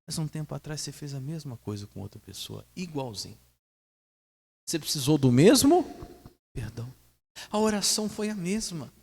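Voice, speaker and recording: A man's voice: a little high, very animated, moderate pace, creaky, long pauses, darkish tone, breathy edge. A man with a Brazilian Portuguese accent preaching a sermon as pastor, emphatic, putting questions to the congregation and swinging his voice up and down. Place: church hall. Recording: echoey hall reverb.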